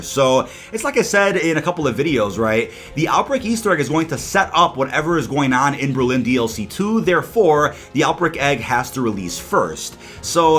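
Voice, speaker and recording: A man with a slightly high voice delivers video game news commentary. His pitch moves around a lot as he stresses key words. He talks conversationally, tossing in rhetorical asides as a host speaking straight to his viewers. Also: fairly bright tone.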